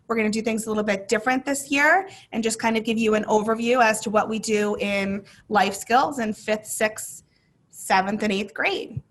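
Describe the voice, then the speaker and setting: A woman who teaches life skills, welcoming parents to a virtual overview at a brisk pace. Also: a little high, fairly bright tone. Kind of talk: virtual back-to-school overview.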